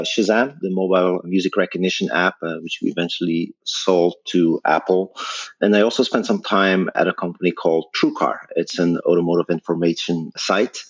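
A middle-aged man with a Belgian accent and a very low, husky voice talks through his ideas as a podcast guest, pausing on fillers and restarting phrases. The sound is dull and lo-fi. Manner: thoughtful, explanatory, frequent fillers and restarts. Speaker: guest, company founder. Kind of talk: podcast interview.

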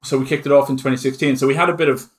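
Irish male, middle-aged, informal and talkative interview guest, mid-pitched voice. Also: fairly even intonation, racing. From Ireland. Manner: chatty, informal. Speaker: conference organiser, interview guest. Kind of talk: casual interview talk.

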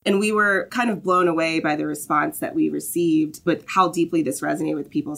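A woman from the Southern US, a guest on a podcast interview, explaining her work fluently and often checking in with "right?". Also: sits low. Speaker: guest, marketing lead.

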